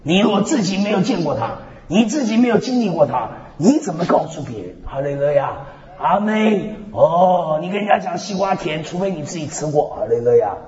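Man preaching in a church hall, high voice all over the place, hallelujah every other line, roomy echo. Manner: peppers speech with "hallelujah, amen" refrains; lively storytelling, swings between loud and soft. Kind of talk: sermon. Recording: echoey hall, dull lo-fi sound.

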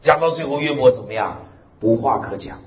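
A man preaching a sermon, scattering amen and hallelujah through lively, animated delivery. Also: medium pitch, fairly quick, echoey room, muffled recording. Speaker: pastor.

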